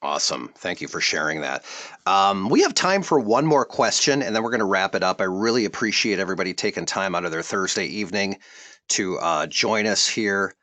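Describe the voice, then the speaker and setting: A man's voice: sits low, animated, fairly quick, pushed and bright, no room sound. A man hosting a live webinar Q&A as a voiceover coach, friendly and upbeat.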